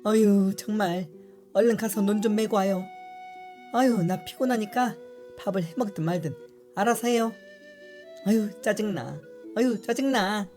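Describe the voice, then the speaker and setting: A woman's voice: mid-range voice, animated, normal speed, warm tone, soft background music, voice pushed up, close to an everyday voice. A woman voicing a hot-tempered young wife who nags and huffs in exasperation. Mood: irritated. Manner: whiny, exasperated sighs. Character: shrill hot-tempered young wife, nagging and quick to anger.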